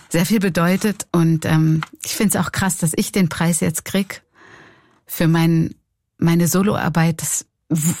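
A woman's voice: on the low side, darkish tone, dry recording. A woman in her forties with a Swiss German accent, a comedian and clown speaking reflectively and laughing often in an interview.

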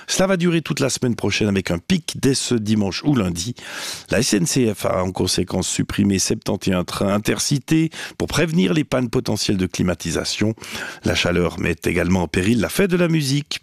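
A man with a Swiss French accent reading a radio news bulletin in a measured, formal way, close to a studio mic. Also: mid-range voice, creaky, dry recording. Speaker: newsreader.

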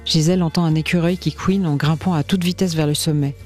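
A woman radio reporter narrating a scripted portrait in a calm, measured storytelling manner. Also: sits low, faint music behind.

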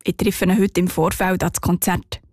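A woman with a Swiss German accent narrating a scripted radio feature as a reporter, in a relaxed, storytelling way. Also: fairly low pitch, normal speed, no echo, clean studio sound.

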